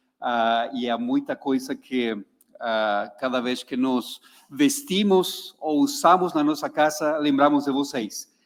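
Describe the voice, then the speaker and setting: A man with a non-native accent at a very slow pace, ordinary pitch variation, very clean recording and silent background. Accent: foreign accent in Portuguese. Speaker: pastor. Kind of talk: sermon. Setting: church. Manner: halting.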